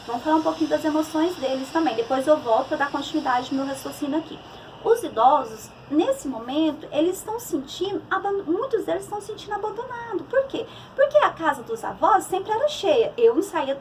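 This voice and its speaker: A woman's voice: high-pitched, lively intonation, fairly quick, a little mellow, distant mic, a little hiss or hum, low-quality recording. A middle-aged woman psychologist with a Brazilian Portuguese accent, giving a conversational church talk on emotions with many restarts and fillers.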